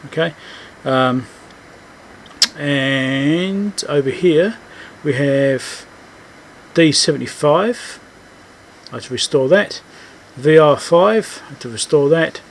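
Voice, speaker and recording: A man giving a casual, unscripted technical walkthrough as a repair host, halting as he thinks aloud. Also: on the high side, slight background noise.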